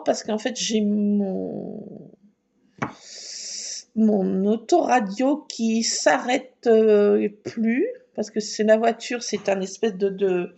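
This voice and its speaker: A woman's voice: fairly high pitch, vocal fry, muffled recording. A woman vlogger telling a casual story, laughing often and acting out dialogue and sounds. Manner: lively, laughing, acts out dialogue and alarm sounds.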